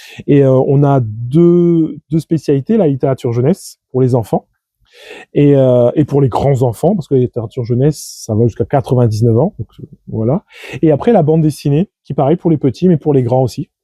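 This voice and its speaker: This man's pitch sits fairly high, his pitch varies in an ordinary way, and he talks at a moderate pace. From northern France, Roubaix area. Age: 40s. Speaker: bookshop owner. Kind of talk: interview. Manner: halting.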